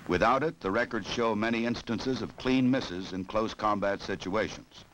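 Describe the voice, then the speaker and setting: Casting: American man, lowish voice, measured and authoritative 1960s training film narrator, noisy vintage film audio. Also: fairly bright tone. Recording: noisy old film soundtrack.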